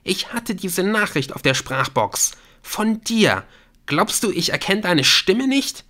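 Audiobook role: wounded young girlfriend, played by a male narrator, raised pitch, forceful, snappy and accusing. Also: expressive, takes it slowly, full character voice. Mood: bitter, accusing. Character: hurt, angry, biting young woman, the girlfriend.

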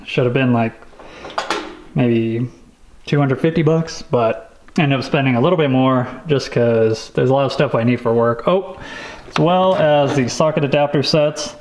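A man casually showing off tools he bought, talking in a relaxed, rambling way with lots of fillers. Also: mid-range voice, moderate pace, slight background noise. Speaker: vlogger showing a tool haul. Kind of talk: casual show-and-tell chat.

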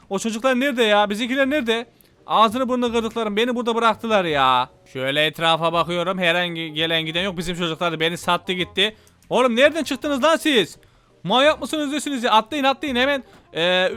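A young man hosting a gaming channel, narrating his gameplay in an excitable, slangy way, shouting and repeating himself. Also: high voice, smooth. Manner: casual slangy banter with teammates. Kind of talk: gameplay commentary.

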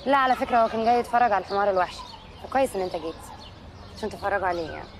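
A woman's voice: mid-range voice, racing, a little hiss or hum, close to an everyday voice. An actress playing a feisty, guarded mother in a film, speaking pointedly with an Egyptian accent. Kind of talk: naturalistic screen acting.

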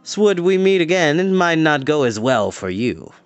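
A man voicing a brutal male warrior who speaks slowly and with open scorn, as in a read-aloud storybook. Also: a little high, very animated, smooth, lo-fi sound, soft background music, pitched above the performer's own voice. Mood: scornful. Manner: slow, mocking, scornful delivery.

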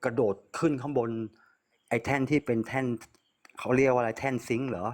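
A man recounts a frightening night in a relaxed, conversational way. He keeps turning to address the host as he tells it, the way a caller talks on a storytelling show. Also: medium pitch, a little fast. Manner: addresses the host often, plain conversational telling. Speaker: caller telling a ghost story. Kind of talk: casual spoken storytelling to a radio-style host.

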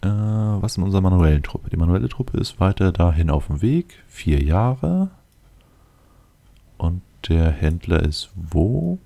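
A man's voice: low voice, animated, a little slow, vocal fry, dark tone. A man giving casual, improvised game commentary, thinking aloud and muttering to himself in a matter-of-fact way. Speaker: let's play video host.

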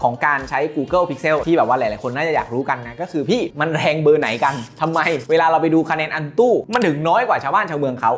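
A man's voice: mid-range voice, fairly bright tone. A man reviewing a smartphone in a casual, chatty way, with slang asides and quoted exclamations. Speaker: tech reviewer.

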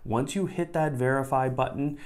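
A man's voice: mid-range voice, normal speed. A man, hosting a conversational step-by-step tech tutorial and rephrasing his instructions as he goes. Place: small indoor room at a desk.

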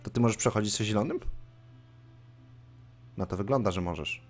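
A man's voice: fairly low pitch, moderate pace. A man hosting a let's play, commenting casually on his gameplay and swearing offhandedly. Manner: chatty, swears casually, reads game story aloud.

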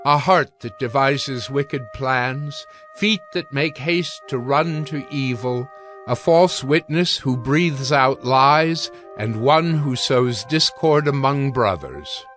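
Male scripture narrator; very unhurried and grave, with faint music underneath. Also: medium pitch, a bit bright. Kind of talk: dramatized scripture reading.

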